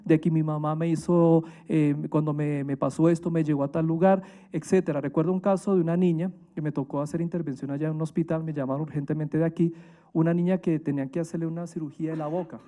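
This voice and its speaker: A man's voice: on the high side, flat delivery, fast talker, warm tone. A Colombian man, a priest, giving a motivational talk to families and staff, emphatic and full of rhetorical questions.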